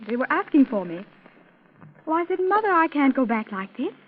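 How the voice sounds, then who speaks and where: A woman's voice: high-pitched, big pitch swings, fairly quick. Young woman on tinny old radio. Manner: modest and chatty, with light laughs. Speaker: interview guest, contest champion. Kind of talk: 1930s radio interview.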